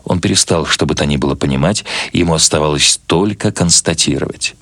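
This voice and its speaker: A man reading literary prose as a narrator, solemn and measured, in short weighted phrases. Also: a bass voice, fairly bright tone, no echo. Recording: clearly noisy recording.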